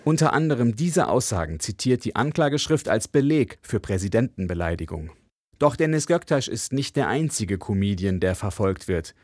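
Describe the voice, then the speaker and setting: A man reporting for radio as a correspondent, with measured, even delivery. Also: on the low side, no room sound. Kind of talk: news report.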